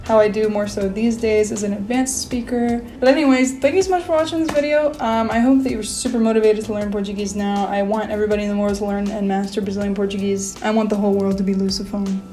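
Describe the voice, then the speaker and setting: Chatty young woman with a mellow voice. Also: mid-range voice, fast, hardly any pauses. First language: English. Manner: chatty, lots of fillers, animated hand gestures. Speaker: vlogger. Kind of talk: casual talking-head vlog. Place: small bedroom, indoors.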